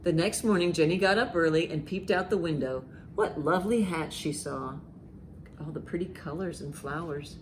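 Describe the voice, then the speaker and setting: A woman hosting a children's storytime, reading aloud and reciting rhymes with expressive, deliberate emphasis. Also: deep voice, background noise. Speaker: library storytime host.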